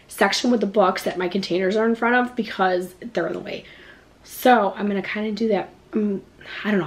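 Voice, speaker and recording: A woman in her thirties chatting to the camera in her home kitchen, a little stuffed up with a slight cough, full of "like" fillers. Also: medium pitch. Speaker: vlogger. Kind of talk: casual chat to camera. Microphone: camera at close range.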